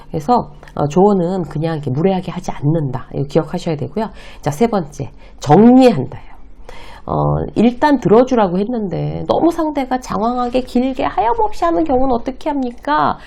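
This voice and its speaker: A woman's voice: medium pitch, big pitch swings, brisk, gravelly, dark tone. A middle-aged woman giving a lecture on workplace communication, explaining point by point and acting out short example lines. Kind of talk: lecture to camera.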